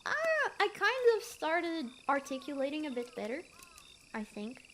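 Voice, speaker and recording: A woman's voice: high-pitched, wildly swooping pitch, unhurried, fairly bright tone, a little hiss or hum. A young woman streamer, not a native English speaker, chatting casually with her chat, giggly and rambling with fillers. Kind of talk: casual chat reading chat messages.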